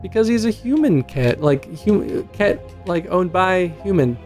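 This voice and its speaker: A man's voice: high voice, expressive, unhurried, darkish tone, soft background music. Chatty young man explaining gameplay. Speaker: game developer co-host. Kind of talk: casual let's-play commentary. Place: indoor studio, seen on camera.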